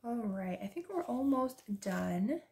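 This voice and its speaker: A woman chatting casually while she decorates a planner, soft-spoken and drifting into whispers, laughing often, her voice hoarse as she loses it. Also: fairly high pitch, very animated, a little slow, a little hiss or hum. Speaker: planner and journaling vlogger.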